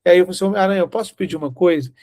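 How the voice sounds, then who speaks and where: A man's voice: high voice, rapid-fire, a little mellow. A man preaching a sermon, telling a personal story and acting out the dialogue. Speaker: Bible teacher.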